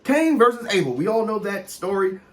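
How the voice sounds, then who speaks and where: A man's voice: high-pitched, big pitch swings, brisk, fairly bright tone. A man in his thirties speaking African American English, explaining slang and reading out a list in an emphatic, mock-official comedic way with casual asides. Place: small room with posters, indoors.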